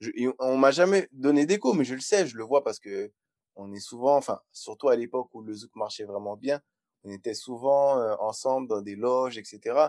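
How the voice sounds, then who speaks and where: Recorded with a dry, close sound with no echo against a quiet background, a man speaks at a medium pitch and moderate pace with ordinary pitch variation. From Guadeloupe (Saint-Claude). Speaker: zouk singer-songwriter. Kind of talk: interview. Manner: hesitant, many fillers.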